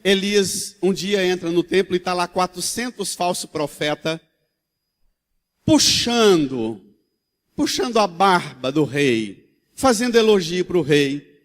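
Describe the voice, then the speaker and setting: A man, a priest, preaching a sermon in a church and telling stories in an animated, colloquial way. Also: sits high, slow. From Brazil. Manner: storytelling, animated, with colloquial asides. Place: large church. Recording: long hall reverb.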